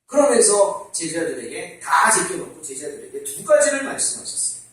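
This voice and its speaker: Animated high-voiced male pastor, echoey hall. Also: moderate pace. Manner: animated, conversational, asks the congregation rhetorical questions. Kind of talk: sermon. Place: church sanctuary. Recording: very echoey church hall from far off.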